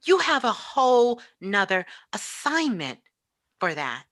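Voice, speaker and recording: A woman with a bright, forceful voice speaks as a spiritual teacher. Her delivery is motivational and emphatic, preaching her points and driving them home with repetition. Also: fairly high pitch, very animated, takes it slowly. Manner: emphatic, preaching, with repeated phrases.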